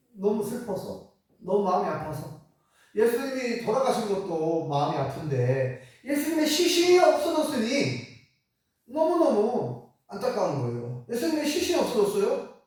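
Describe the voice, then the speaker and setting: Animated, echoey male pastor preaching. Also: normal speed. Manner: emphatic preaching, rising high on key words. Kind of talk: sermon. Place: church sanctuary. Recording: echoey church from far off.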